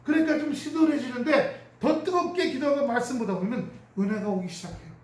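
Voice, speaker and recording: A male pastor giving an animated sermon, chuckling often and acting out prayers and family quarrels. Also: very high-pitched, fairly quick. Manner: chuckles often while speaking. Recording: roomy echo from a distant mic.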